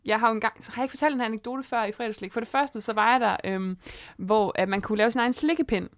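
High-voiced young woman, dry close sound. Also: no room sound. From Denmark, Esbjerg area. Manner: laughs often, teasing and blunt. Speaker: podcast co-host. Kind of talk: casual podcast chat.

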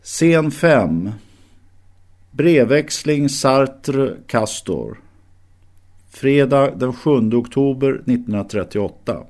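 A man narrates an audio drama, announcing scenes from a script. His voice sits at an ordinary middle pitch for a man. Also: animated, a little mellow.

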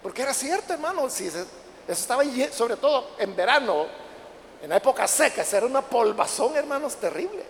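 Older male pastor, very high gravelly voice, storytelling sermon that swells into shouts, recorded in a reverberant church hall with faint ambience. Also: sing-song, fairly quick, slight background noise. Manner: storytelling, rising to emotional shouts.

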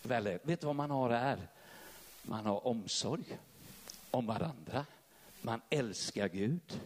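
A man's voice: mid-range voice, lively intonation. A man preaching a sermon, telling a personal story with feeling and speaking straight to his listeners. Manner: emotional storytelling, addresses listeners directly. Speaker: pastor.

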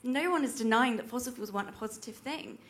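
A woman's voice: a little high, quick pace. Earnest young woman speaking up. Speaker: audience member.

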